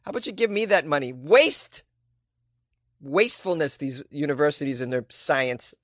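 Male comic host, slightly high voice, dry close sound, incredulous and mocking. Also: normal speed, a bit bright, dry recording. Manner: incredulous, mocking, frequent laughter. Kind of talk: comic commentary on news stories.

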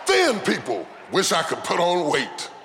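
A man's voice: high voice, huge pitch swings, a little slow. A man preaching an emphatic sermon to a live congregation, repeating phrases for effect and calling for a response. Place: large indoor church service. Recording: noisy live hall with loud crowd. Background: congregation crowd noise.

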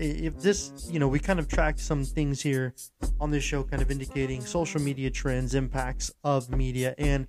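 American male podcast host, mid-pitched, informal and rambling, emphatic commentary over clearly audible music. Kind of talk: casual commentary to listeners.

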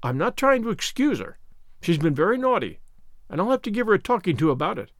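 A no-nonsense woman guardian from a storybook, voiced by a male reader, stern yet fair. The delivery is dry, firm and measured, with a fairly high pitch for a man and very little room sound. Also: big pitch swings, no echo. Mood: measured, reproving.

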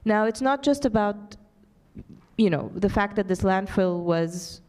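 A woman's voice: medium pitch, animated, unhurried, darkish tone. A woman on a panel, explaining her organization's work at length with fillers. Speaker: NGO panelist. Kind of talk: panel discussion.

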